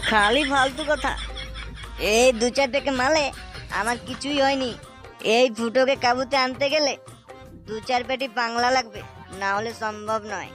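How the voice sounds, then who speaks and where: Woman doing a cartoon tipsy guy, cheeky n boastful, high voice, slangy, faint music. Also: moderate pace, pauses often, fairly bright tone. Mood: tipsy, insistent. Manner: slangy, bantering. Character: tipsy young male drinking buddy, cheeky and boastful. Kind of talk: comic cartoon dialogue.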